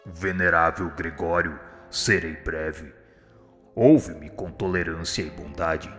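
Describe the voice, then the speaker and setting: A man plays a humble, courageous spirit instructor in a radio drama. His low voice pleads gently and formally, with serene firmness. It carries a long hall reverb over faint music. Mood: respectful appeal.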